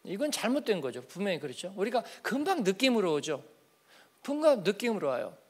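A man's voice: high voice, big pitch swings, brisk, a little mellow. A man preaching an early-morning church sermon in a conversational way, asking the congregation questions and acting out little everyday exchanges. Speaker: pastor.

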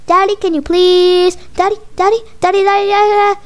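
A woman's voice: extremely high pitch, level tone, fairly quick, pitched above the performer's own voice. A woman voicing a pestering small child in a storybook, pleading and nagging insistently.

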